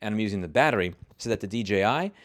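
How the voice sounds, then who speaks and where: A man with an American accent testing microphones, talking bluntly with swearing, his voice going hoarse from yelling. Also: fairly low pitch, animated, racing, dry recording. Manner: blunt, profane, swings into shouted test phrases. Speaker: host. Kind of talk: opinionated gear review and mic test. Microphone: close mic, about a fist from the mouth.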